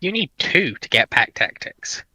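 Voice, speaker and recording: A man's voice: fairly high pitch, sing-song, unhurried, pushed and bright, dry recording, low-quality recording. A man on a panel, chatting casually and giving his opinions. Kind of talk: casual chat.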